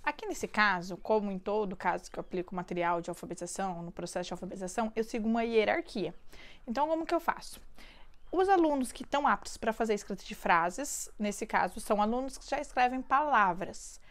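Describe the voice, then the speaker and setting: A woman in her thirties from Brazil, a literacy teacher explaining her classroom method, slowing down to spell out syllables and words. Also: mid-range voice.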